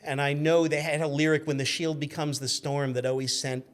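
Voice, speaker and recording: A man's voice: fairly high pitch, flat delivery, a little fast. A man in his fifties chatting casually as a guest, telling anecdotes and acting out what people said. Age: 50s. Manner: acts out quotes in stories. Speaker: guest, former radio intern.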